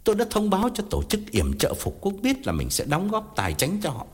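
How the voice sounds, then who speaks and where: A man's voice: high voice, huge pitch swings, fairly quick, husky, in a large hall, voice pushed up, heavily acted. A man voicing a pushy middle-aged man who pleads and grows indignant, insistent in his talk. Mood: solemn. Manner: insistent, pleading then angry.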